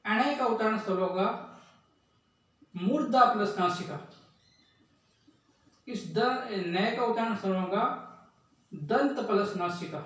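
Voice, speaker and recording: A man teaching an exam-prep lesson, slowly drilling speech sounds one by one. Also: high-pitched, fairly bright tone. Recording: echoey room, far from mic.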